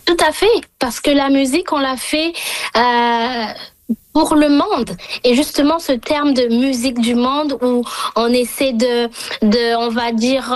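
A middle-aged woman from Congo, a singer-songwriter answering interview questions thoughtfully, pausing often to find her words. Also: a little high, dry recording. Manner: thoughtful, searching for words with many pauses.

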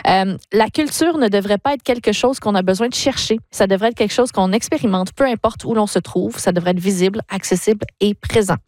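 A woman hosting a radio quiz segment in a lively, easygoing way, with frequent euh fillers. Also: medium pitch, brisk, few pauses, no room sound. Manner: lively, laughs easily, many euh fillers. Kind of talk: casual radio chat.

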